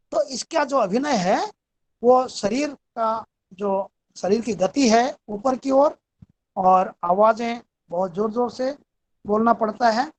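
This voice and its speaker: A woman's voice: fairly high pitch, darkish tone. A woman lecturer giving a methodical, explanatory talk in a recorded online class.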